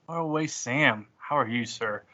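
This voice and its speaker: A man's voice: mid-range voice, normal speed, bright, forceful tone, lo-fi sound. A man joining a tabletop game remotely, bantering casually with self-deprecating humour. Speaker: remote podcast player. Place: remote, joining from another city.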